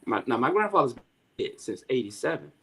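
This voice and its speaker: A man's voice: medium pitch, big pitch swings, brisk, vocal fry, fairly bright tone, slightly rough. A man, a podcast guest, telling his life story as a personal testimony, acting out what others said. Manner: storytelling, acting out quoted voices.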